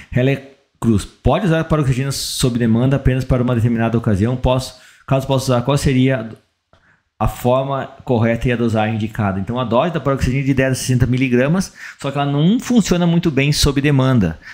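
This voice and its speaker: Speaking fairly quickly, a man uses a medium pitch with ordinary pitch variation. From Brazil. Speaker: urologist. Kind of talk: live Q&A stream. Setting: livestream. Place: office. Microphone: studio mic.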